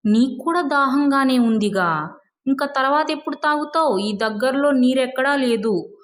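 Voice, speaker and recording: A considerate young boy elephant in a storybook, played by a woman storyteller. The voice sits fairly high and sounds earnest and agreeable, with concern for a friend. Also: lively intonation, moderate pace.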